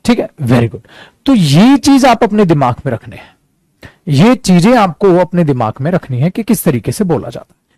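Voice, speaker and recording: A man's voice: high voice, sing-song, moderate pace, darkish tone, dry recording. A man teaching an online English lesson in a chatty way, calling his students "beta" and acting out examples. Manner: acts out examples.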